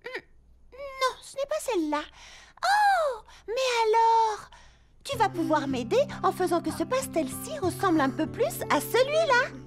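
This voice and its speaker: A woman voicing a cheerful, kind young girl in a children's cartoon, with an expressive, exclamatory delivery. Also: extremely high pitch, measured pace, over loud music, full character voice. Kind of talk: French children's cartoon dub acting.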